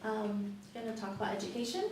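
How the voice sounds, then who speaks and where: A woman's voice: mid-range voice, flat delivery, fast. Businesslike woman panelist, far and echoey. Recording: echoey room from far off, noisy.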